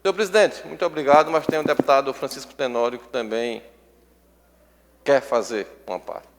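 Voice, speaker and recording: A man, a state legislator, giving a measured floor speech with hesitant pauses. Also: medium pitch, noisy background. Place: legislative assembly chamber. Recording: long reverb of an assembly chamber.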